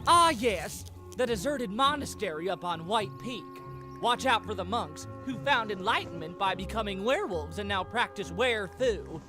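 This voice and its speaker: An actor playing a flamboyant, melodramatic, effete wizard with a theatrical, swooning manner in a comic fantasy game. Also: male voice, sits high, expressive, moderate pace, music in the background. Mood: fussy, dramatic. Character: flamboyant, melodramatic, effete male wizard mourning his stolen familiar.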